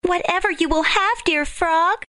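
A woman putting on a high, girlish princess voice. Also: unhurried, full character voice. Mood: pleading. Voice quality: very high and bright. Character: spoiled young princess, girlish and fretful.

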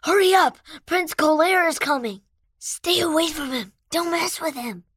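Storybook: woman voicing a jumpy little kid, high, dry close recording. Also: a little slow, a bit bright, dry recording, full character voice. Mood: worried. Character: frightened young child.

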